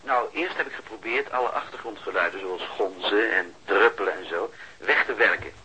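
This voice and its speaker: An actor playing a chatty, pedantic sound technician in a radio drama, hesitantly explaining things step by step over the telephone. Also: male voice, lowish voice, moderate pace, bright, forceful tone, slightly rough, heavily acted, poor audio. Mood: explaining, polite.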